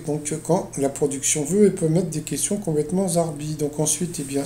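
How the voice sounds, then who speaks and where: A man talks through a recap in a loose, rambling way, stopping and restarting and filling gaps with hesitations. His voice sits a little high but sounds dark and mellow. The room around him gives a clear echo. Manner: rambling, with many fillers and restarts, chatty asides. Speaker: video blogger recapping a TV quiz show. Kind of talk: casual spoken recap.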